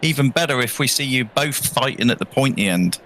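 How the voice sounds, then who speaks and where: A man's voice: medium pitch, lively intonation, brisk, a bit bright, slight background noise. A man acting as co-commentator, friendly and agreeable with the drivers.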